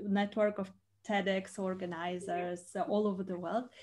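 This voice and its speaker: A woman's somewhat breathy voice with a dark, mellow tone and a Russian accent, on a very clean recording with a silent background. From Russia, Saint Petersburg. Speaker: communication coach. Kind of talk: interview. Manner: halting, many fillers.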